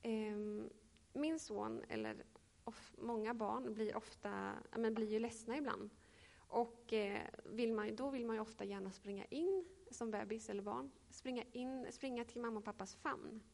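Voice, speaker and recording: A woman in her thirties giving a reflective sermon and reading scripture, pausing often with hesitations. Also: a little high, creaky, darkish tone. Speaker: preacher.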